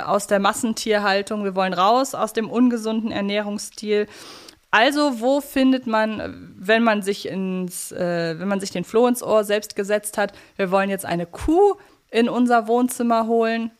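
A woman co-hosting a podcast, talking casually and analytically in a reflective, elaborating way. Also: mid-range voice. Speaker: podcast co-host. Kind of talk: casual analytical podcast talk about an audio drama series.

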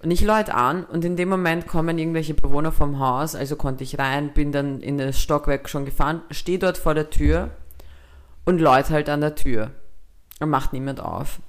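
Low-pitched and moderately paced, a young woman with a Viennese Austrian German accent co-hosts a podcast. In relaxed talk she recounts a story, swearing liberally, mixing in English slang and acting out each side of the dialogue.

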